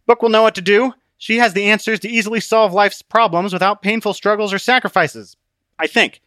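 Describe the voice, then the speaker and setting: A man's voice: sits high, steady tone, brisk, bright, forceful tone, no room sound, pitched above the performer's own voice. A man voicing a pompous, fearful male traveling companion who complains dramatically in an audiobook story. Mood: hopeful.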